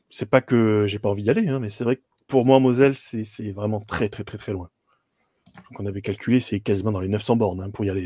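A man's dark, mellow tone, fairly low in pitch, at a fairly quick pace, with a dry, close sound with no echo. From Provence, southern France (Istres/Martigues). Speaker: tabletop RPG streamer. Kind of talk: casual live-stream chat. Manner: animated, laughs often.

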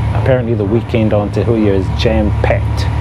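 Loud background noise runs under a man speaking at a fairly slow pace. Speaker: travel vlogger. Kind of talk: casual vlog chat. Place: train. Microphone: phone near.

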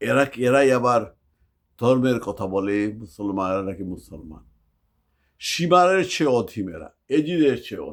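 Recorded very cleanly over a silent background, a man at medium pitch makes very wide pitch swings and big swings in loudness. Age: 60s. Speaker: political commentator. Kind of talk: political monologue. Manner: impassioned.

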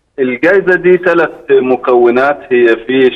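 This is a man with a normal speaking voice at a medium pitch. He goes at a fairly slow pace with ordinary pitch variation. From Egypt, Sohag. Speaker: mathematics professor. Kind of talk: phone interview. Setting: phone call.

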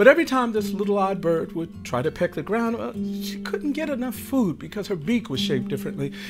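With clear music in the background, a man speaks at a fairly quick pace and a high pitch. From United States. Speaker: storyteller. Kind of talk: children's folk story telling. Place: home room.

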